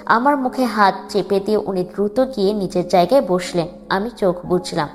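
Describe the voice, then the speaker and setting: A woman narrating a first-person wartime memoir in a grave, measured way. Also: medium pitch. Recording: long reverb with soft music beneath.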